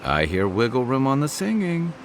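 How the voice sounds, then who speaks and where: A man's voice: mid-range voice, huge pitch swings, normal speed, faint music behind. A man playing an easygoing, teasing adventuring companion in a fantasy video game, full of playful banter. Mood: teasing, friendly. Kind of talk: video game character acting. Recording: clear background ambience noise.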